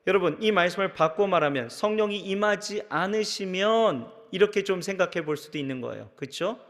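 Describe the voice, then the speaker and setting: A male pastor delivering a sermon, asking the congregation questions and swinging between loud emphasis and quiet, hushed lines. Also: high-pitched, expressive, fairly quick. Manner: dynamic preaching with rhetorical questions and sudden drops to quiet. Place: large church sanctuary. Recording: long church reverb.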